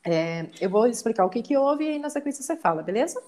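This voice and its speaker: A woman's voice: fast, slight background noise. A middle-aged Brazilian woman telling a personal story on a podcast, acting out the dialogue as she goes. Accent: Brazilian Portuguese. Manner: animated, quotes dialogue with rising pitch. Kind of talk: casual storytelling.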